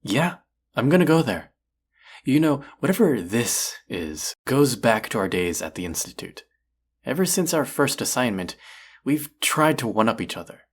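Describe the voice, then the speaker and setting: A man's voice: medium pitch, sing-song, moderate pace, slightly rough. A man playing a proud, combative restaurant chef in an audio roleplay, indignant, condescending and sarcastic as he argues. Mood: scornful. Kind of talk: audio roleplay acting, one-sided dialogue.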